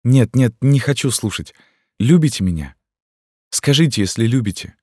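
A man voicing a naive young gypsy girl, speaking in a soft, pleading lilt in a storybook reading. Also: mid-range voice, lively intonation, moderate pace, slightly rough, no room sound, clean studio sound, pitched above the performer's own voice.

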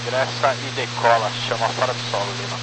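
A man's voice: medium pitch, steady tone, fast talker. A Brazilian man speaking as a pilot in brief call-sign exchanges over aviation radio. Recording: humming, noisy aviation radio transmission.

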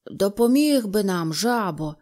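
A woman's voice: medium pitch, darkish tone, natural voice. A woman doing a stern water rat. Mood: firm. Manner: firm, decisive, brisk.

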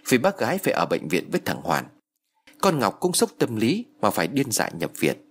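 A man narrating a horror story in an expressive storytelling manner. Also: fairly low pitch, husky.

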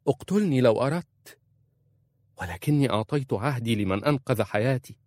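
A man reading an audiobook voices a defiant young Arab wife, pleading and insistent, raising his low voice for her. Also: expressive, a little fast, darkish tone, no room sound, close to an everyday voice.

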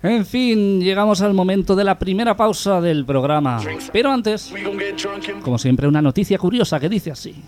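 Male host, easygoing chat, slightly high voice, faint music. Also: moderate pace, a little mellow. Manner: casual, repeats words, reads news aloud. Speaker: radio show host. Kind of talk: radio comedy and news chat. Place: radio studio, faint music behind.

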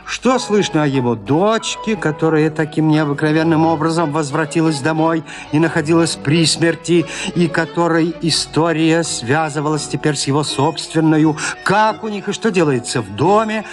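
A man narrating a classic story in a radio play, in an expressive, theatrical storytelling manner. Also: on the high side, normal speed, soft background music.

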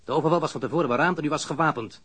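An actor playing a composed, authoritative police investigator in a radio drama, speaking formally and insistently. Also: male voice, a little high, rapid-fire, a bit bright, breathy edge. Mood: angry, pressing. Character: stern, composed male police investigator, probing and dryly authoritative. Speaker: police interrogator. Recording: noisy archived radio drama recording.

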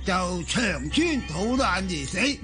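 An actor playing a solemn, commanding tribal healer in a radio drama. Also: male voice, high-pitched, big pitch swings, slow pace, full character voice. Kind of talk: Cantonese radio drama acting. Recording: music behind the voice.

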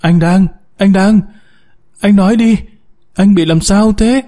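A man's voice: high-pitched, slow, warm tone, voice pushed up. A man voicing an anxious pregnant young wife in a story, insistent and pleading. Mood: panicked. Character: anxious heavily pregnant young wife, desperate for her husband.

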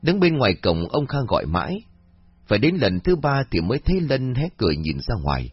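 A man narrating a story in an expressive, dramatic way. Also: medium pitch, brisk, husky, no echo. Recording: slightly muffled lo-fi recording. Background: faint music.

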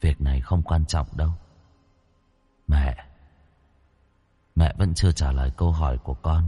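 A man voicing the ghost of a dead young son, speaking low, hushed and unsettling. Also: steady tone, normal speed, slightly rough, long reverb tail. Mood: eerie, hushed.

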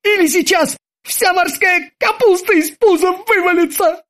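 A man's voice: very high-pitched, normal speed, fairly bright tone, voice pushed up. A man voicing a burly, dim-witted, childish henchman with a whiny, naive way of pleading. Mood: shrill angry.

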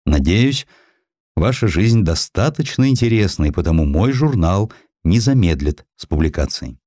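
Guy reading as an old-school general turned editor, low voice, formal, reserved but pitying. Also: sing-song, a little mellow, no echo, studio quality. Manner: formal, measured, sighing.

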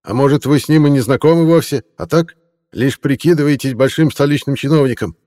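A man's voice: medium pitch, fairly quick, mellow, voice pushed up, natural voice. A man voicing a tipsy, insolent newspaper reporter who slurs and mocks in old-fashioned phrases. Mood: mocking. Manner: slurring, mocking, pompous old-fashioned phrasing. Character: drunken, insolent young male newspaper reporter.

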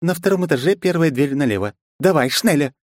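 Bubbly, bossy young wife, high lively voice, dry close sound; a man plays her. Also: a little fast, no echo, natural voice. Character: bubbly, pushy young woman, vampire wife.

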